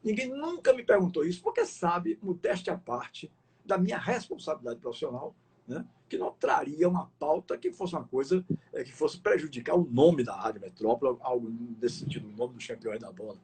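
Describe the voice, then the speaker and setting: A man's voice: mid-range voice, expressive, brisk, darkish tone, a little hiss or hum. A middle-aged man hosting a casual live interview, rambling with fillers and restarts and turning indignant at times. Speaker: host of a live sports interview.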